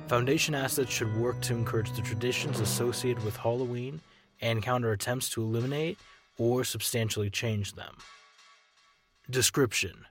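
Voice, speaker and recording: Measured male podcast narrator over music. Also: mid-range voice.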